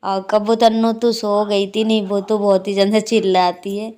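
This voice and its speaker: At home at night in a dark room, a young woman records a casual vlog on a phone on a tripod, chatting and laughing about what the kids are doing. She has a warm, mid-range voice, a flat delivery, and talks at normal speed.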